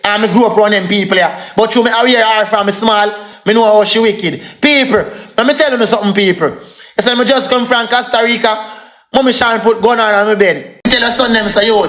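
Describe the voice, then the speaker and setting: A man's voice: high voice, a bit bright, reverberant. Young Jamaican man ranting on a livestream. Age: young adult. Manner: repetitive, addresses viewers as people. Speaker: live streamer. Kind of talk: angry live-stream rant.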